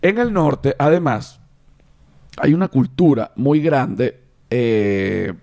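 A young Venezuelan man hosts a casual podcast, his voice sitting at an ordinary middle pitch. He rambles in an animated way, backing up and restarting his sentences as he goes. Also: slow pace, vocal fry. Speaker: podcast host.

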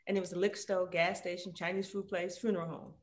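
Animated woman from Detroit, echoey room. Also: on the low side, quick pace. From Detroit, USA. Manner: animated storyteller, lively quoted voices. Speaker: guest. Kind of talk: casual conversational interview. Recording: roomy echo.

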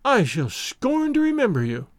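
A man's voice: very high-pitched, huge pitch swings, normal speed, dry recording, pitched above the performer's own voice, heavily acted. A man voicing a coquettish, mocking teenage schoolgirl with an arch, melodramatic manner, as in an audiobook. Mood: theatrical, haughty. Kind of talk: audiobook character dialogue.

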